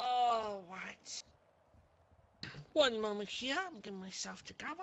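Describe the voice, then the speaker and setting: A put-on character voice delivered at a fairly slow pace with lively intonation. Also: man, high pitch for a man. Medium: game stream. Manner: broken English, blunt.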